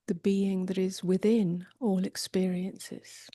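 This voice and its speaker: A woman meditation teacher leading a guided meditation softly and gently, often drifting toward a whisper, with long pauses. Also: mid-range voice, little pitch movement, no room sound, studio quality. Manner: soft, breathy delivery drifting toward a whisper.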